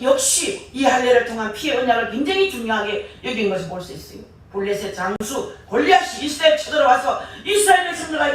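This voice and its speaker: A woman preacher delivering an impassioned sermon, rising to shouts on key words, recorded from a distance in a church sanctuary. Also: on the high side. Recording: echoey church hall, far from mic.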